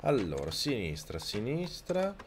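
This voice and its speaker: Excitable swearing game streamer man. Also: mid-range voice, unhurried, background noise. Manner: excitable, swears and yells at the game, thanks viewers. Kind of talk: live gameplay commentary. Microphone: microphone very close to the mouth.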